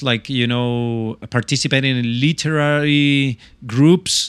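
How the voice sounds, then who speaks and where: With a Spanish accent, the speaker talks at a very slow pace. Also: man. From Chile, Santiago. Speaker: film director and musician. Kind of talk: casual interview chat. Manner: hesitant, many fillers and restarts.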